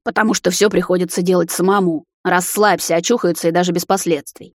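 A woman's voice: lowish voice, fairly even intonation, quick pace, close to an everyday voice. A cheeky male talking sapphire, put on by a woman, smug and mocking in every remark. The storybook reading is dry and close, with no room echo.

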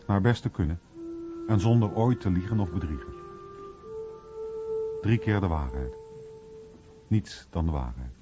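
A man narrates a radio documentary from a script, solemn and measured. His voice sits low over clear music, on a slightly dull recording.

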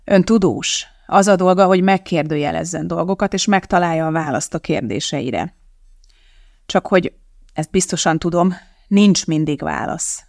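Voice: mid-range voice, gravelly, dry recording, studio quality, lightly acted. A reader voicing a blunt, guarded woman chemist. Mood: weary.

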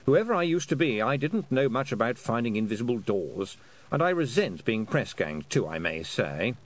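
A man's voice: mid-range voice, big pitch swings, moderate pace, close to an everyday voice, low-quality recording. A man doing a dry, sardonic toad. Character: dry, world-weary talking toad. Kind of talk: audiobook character voice.

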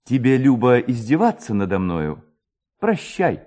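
A man's voice: mid-range voice, unhurried, voice pushed up. Man acting out an ardent young Cossack lover, swooping voice. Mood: wounded pride. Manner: pleading, tender, theatrically expressive. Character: ardent, proud young Cossack lad courting his sweetheart.

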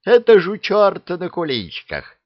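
A man voicing the giddy left head of a three-headed dragon in a storybook reading, giggling and high. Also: huge pitch swings, normal speed, no echo, muffled recording.

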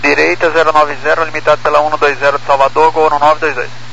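A man's voice: fairly high pitch, monotone, quick pace, creaky, sharp tone. A man making aviation radio calls as a pilot, heard through a radio transmission. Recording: muffled cockpit radio, faint noise.

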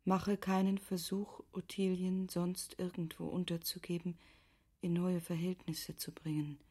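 An actress playing a sorrowful noblewoman in a literary radio drama, reading intimate letters in a hushed, breathy voice. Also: fairly low pitch, level tone, a little slow. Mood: hushed, pleading.

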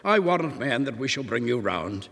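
A man voicing an excitable, kindly old village woman who speaks in rustic dialect. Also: medium pitch, moderate pace, husky, exaggerated voice. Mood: exclaiming. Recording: reverberant room.

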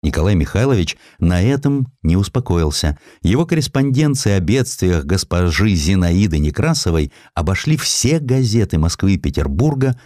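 A man narrating a historical sketch as a dramatic audiobook, with varied emphasis and deliberate pauses. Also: deep voice, very animated, darkish tone, no room sound, clean studio sound.

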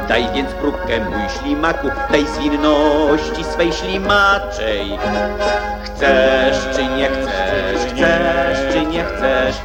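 A man playing a playful singer of nonsense animal verse in a radio play, lilting and drawn out. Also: a little high.

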